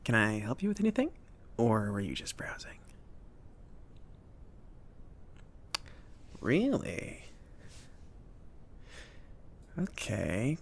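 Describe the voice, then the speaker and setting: A man playing a friendly, awkward mage who runs a magic shop, rambling and reassuring in a soft-spoken ASMR roleplay. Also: lowish voice, vocal fry, full character voice. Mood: welcoming. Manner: rambling, hesitant, reassuring, with nervous chuckles.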